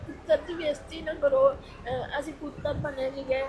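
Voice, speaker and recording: A woman speaking haltingly through tears about her family's hardships. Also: high voice, fairly even intonation, dull audio. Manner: halting, grieving. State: tearful. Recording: crowd noise in background.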